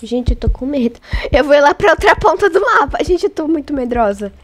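A woman hosting a gaming channel, congested with a cold, chatting excitably to her viewers and squealing when startled. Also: high voice, a little fast. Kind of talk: casual gameplay commentary.

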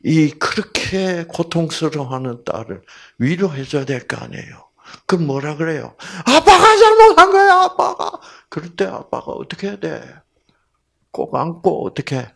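A man's voice: on the high side, gravelly. A man giving a storytelling Bible lecture to a live audience. He asks the audience questions, acts out the people in his story and often drops to a whisper. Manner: slow, animated delivery, often dropping to a whisper.

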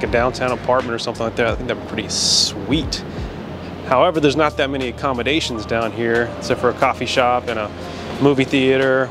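An American man in his thirties from Louisiana talks casually and reflectively as he walks outdoors, rambling informally into a handheld camera. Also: medium pitch. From Shreveport, Louisiana, United States. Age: 30s. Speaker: vlogger, creative freelancer. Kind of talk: casual walk-and-talk vlog. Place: outdoors on a downtown street. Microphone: handheld camera at arm's length. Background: background music.

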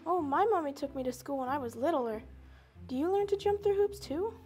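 A woman's voice: high voice, lively intonation, fairly quick, a little mellow, soft background music. A woman voicing a small, sweet, lost puppy dog in a puppet show, innocent and childlike.

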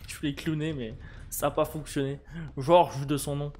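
A man's voice: a little high, fairly even intonation, normal speed, darkish tone, slight background noise. A French man streaming a game, chatting casually and reading his viewers' chat with wry humor. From France.

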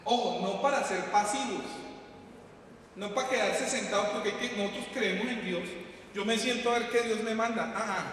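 A male priest delivers a sermon in a high voice, swinging from forceful calls to near-whispered appeals. He is captured from a distance, and his words roll around a big, echoing church hall. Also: slight background noise. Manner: impassioned, shifting from shouts to hushed appeals. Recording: echoey hall, distant mic.

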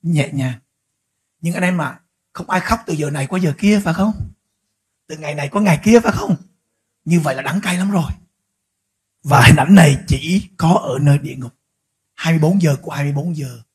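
A man preaching a sermon as pastor, swinging from quiet, slow stretches to loud, shouted peaks. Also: fairly high pitch, husky. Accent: Vietnamese.

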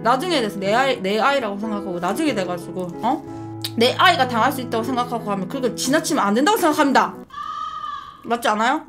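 Between bites, this young woman hosting an eating show chats openly and tells stories in a slightly high, expressive voice at a quick pace. Faint background music accompanies the casual talk.

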